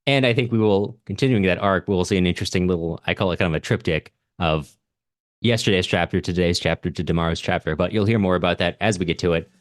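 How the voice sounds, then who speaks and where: A man's voice: low-pitched, fast talker, no room sound, clean studio sound. A man co-hosting a casual literary discussion, talking in an earnest, analytical way. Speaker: podcast co-host discussing literature.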